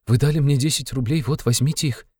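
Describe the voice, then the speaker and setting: A man voicing a meek, terrified young woman who speaks softly. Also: medium pitch, fairly even intonation, fast, husky, dry recording, studio quality, voice pushed up, natural voice. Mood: frightened. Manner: soft, frightened, near whisper.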